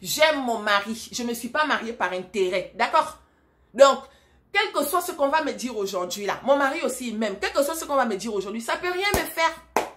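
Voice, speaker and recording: Woman vlogger from africa, talks straight at the camera, blunt and emphatic, voice a bit on the high side. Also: animated, brisk, fairly bright tone. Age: adult, married mother. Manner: emphatic and direct, asks viewers rhetorical questions. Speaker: vlogger and storyteller. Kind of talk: casual vlog monologue.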